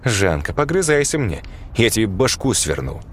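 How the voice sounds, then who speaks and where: Guy voicing a rough loud mom, swearing nonstop, voice jumping all over. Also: sing-song, normal speed, a little hiss or hum. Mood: scolding. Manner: shrill scolding, foul-mouthed. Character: coarse angry working-class mother, middle-aged.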